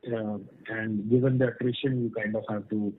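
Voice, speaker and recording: A man's voice: on the low side, flat delivery, moderate pace, slight background noise. Muffled call-line man, frank executive. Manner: frank, explanatory, often checks with "right?". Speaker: company executive answering analysts' questions. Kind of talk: earnings call question-and-answer, spontaneous explanation. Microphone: conference call. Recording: muffled band-limited conference call line.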